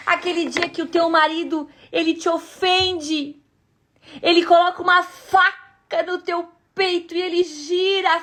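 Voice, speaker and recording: Slow, very high-voiced woman preacher. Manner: earnest, emphatic, drops to a hushed tone at times. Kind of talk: devotional sermon addressed to wives.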